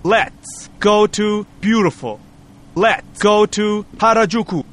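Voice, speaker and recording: A man's voice: high voice, heavily acted. A man voicing a male rapping app figure who chants cheesy broken English lines over a beat. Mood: chanting. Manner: slow, stilted, chanting lines. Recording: loud backing music.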